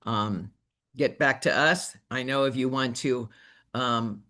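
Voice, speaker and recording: A man acting as a district leader on a recorded meeting call, talking in a measured, hesitant way with many fillers. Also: medium pitch, pushed and bright.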